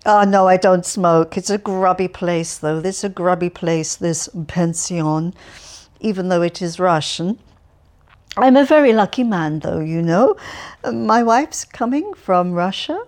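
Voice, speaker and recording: A woman's voice: fairly low pitch, animated, measured pace, darkish tone. A woman voicing a chatty cheerful old man. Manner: rambling, stumbling, relentlessly upbeat. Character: cheerful chatty elderly man, tiresome and friendly. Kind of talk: audiobook character reading.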